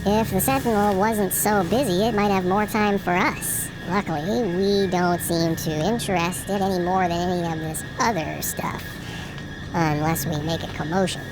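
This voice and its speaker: A woman playing a wry, unimpressed survivor in an audio drama, speaking in a dry deadpan. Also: fairly low pitch, moderate pace, over music, close to an everyday voice, rough recording. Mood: dry, cautious. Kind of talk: audio drama character acting.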